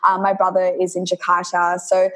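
A woman's voice: lowish voice, monotone, normal speed, a bit bright. A young woman from Indonesia, a health coach, talking casually in an interview and filling her speech with lots of ums and "you know".

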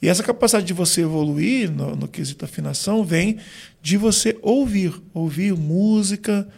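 A Brazilian gospel singer and vocal coach explaining singing on a podcast, with lots of "né" and "tipo" fillers. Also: male voice, high-pitched, normal speed, creaky, a little mellow. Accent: Brazilian Portuguese. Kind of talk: podcast interview.

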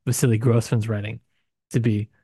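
A man's voice: fairly low pitch, flat delivery, moderate pace, mellow, slightly rough, no room sound. Man discussing literature, dry close recording. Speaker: podcast co-host.

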